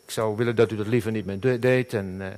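A middle-aged man, a pastor, preaching a sermon in an earnest, halting way with many fillers and restarts. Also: on the low side, steady tone, darkish tone.

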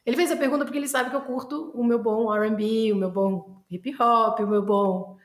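A woman with a high voice tells stories in a lively, animated way. She is a singer answering questions in a relaxed interview. The room around her is echoey. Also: fairly quick. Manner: animated storytelling with laughter. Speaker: guest singer. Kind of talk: casual interview chat.

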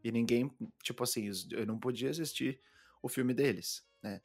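A man, co-hosting a podcast from home and telling stories in a relaxed way, full of fillers. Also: medium pitch, moderate pace, faint music behind. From Brazil. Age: 20s. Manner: relaxed storytelling with many fillers. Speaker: podcast co-host. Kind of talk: casual podcast chat.

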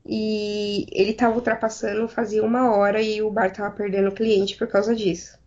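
A woman telling a story in casual chat, animated and acting out the dialogue. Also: mid-range voice, moderate pace, muffled recording.

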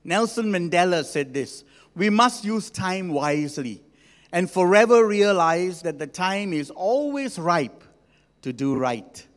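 A man of sixty preaching as a senior pastor in a conversational, gently humorous way, with emphatic pauses. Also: high-pitched, lively intonation. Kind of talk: sermon to a congregation. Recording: long hall reverb.

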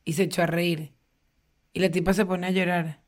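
A woman's voice: lowish voice, little pitch movement. A woman co-hosting a podcast, chatty and teasing as she tells salon gossip. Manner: chatty, teasing, quick to laugh. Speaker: podcast co-host. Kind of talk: casual gossip chat.

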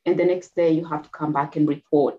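A middle-aged woman with a Rwandan accent speaks in a low, deep register as an interview guest. She tells her story quickly and earnestly, with soft laughs. The recording sounds a little dull and muffled. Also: fairly even intonation. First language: Kinyarwanda. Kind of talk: personal testimony interview.

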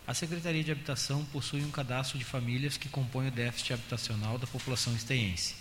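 A man with a Brazilian accent reading council motions aloud in a steady, measured official tone. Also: mid-range voice. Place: council chamber. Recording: echoey chamber audio with faint hiss.

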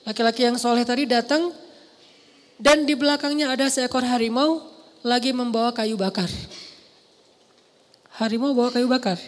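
An Indonesian-accented man preaching a sermon to a mosque audience, telling stories with lively asides. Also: very high-pitched. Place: large mosque hall. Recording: long hall reverb.

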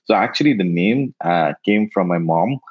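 A man whose first language is Tamil, answering interview questions in a halting way and often repeating words as he thinks. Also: sits low, animated, breathy edge. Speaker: guest, NFT investor. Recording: dull lo-fi sound.

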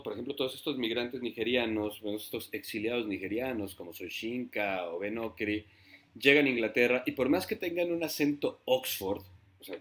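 A man, a writer on a panel, speaking in a reflective, halting way, often repeating words and clearing his throat. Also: mid-range voice, a bit bright.

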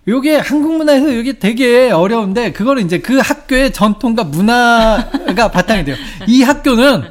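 A Korean man in his forties talks at a normal speed in a very high-pitched, animated voice. He explains things in a casual chat and acts out little dialogues along the way.

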